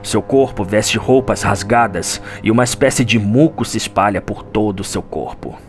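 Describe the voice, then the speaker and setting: A man's voice: fairly low pitch, moderate pace. A Brazilian man delivering a solemn, theatrical scripted narration in the manner of a suspenseful audio drama. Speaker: narrator of a video game lore audio drama. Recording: music under the voice. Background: background music.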